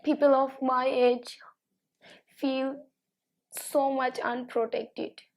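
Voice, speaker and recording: A woman speaks slowly and deliberately in a somewhat high voice. She sounds earnest and pleading as she makes her appeal. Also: little pitch movement. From Afghanistan. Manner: slow, pleading. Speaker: artist.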